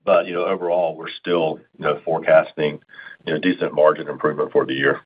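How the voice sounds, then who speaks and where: A man with a husky voice answering as a finance executive on an earnings call, in measured corporate talk. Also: a bass voice, flat delivery. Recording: narrow phone-line sound.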